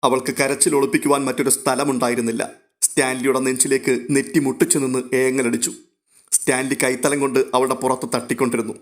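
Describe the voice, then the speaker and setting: A man giving steady, measured scripted narration of a serial story. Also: medium pitch.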